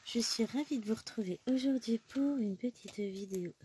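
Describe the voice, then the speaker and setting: Very noisy audio from a phone close by captures a crafting vlogger in her thirties chatting as she stitches at home. She has a cold, speaks a little high at a moderate pace, and rambles, correcting herself along the way.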